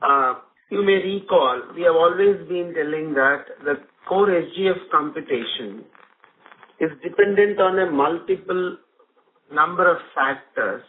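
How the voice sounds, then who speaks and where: Male, Indian accent, high pitch, formal explanatory delivery, executive on a call, thin noisy phone audio. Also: unhurried. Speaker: company executive. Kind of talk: formal earnings call answers. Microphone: conference phone call. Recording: narrow phone line with clear noise.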